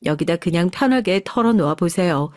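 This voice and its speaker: A woman's voice: on the low side, expressive, a little fast, darkish tone, no echo, clean studio sound. Woman reading a heartfelt story. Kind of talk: first-person story reading.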